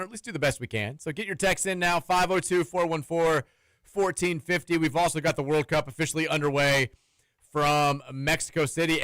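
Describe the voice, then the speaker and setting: A man with a bright, slightly high voice hosts sports talk radio, teasing his co-host in a dry, deadpan way. The sound is close and dry, with no room echo. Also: clean tone. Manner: dry, teasing, reads texts aloud. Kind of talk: casual radio banter. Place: radio studio. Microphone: studio microphone.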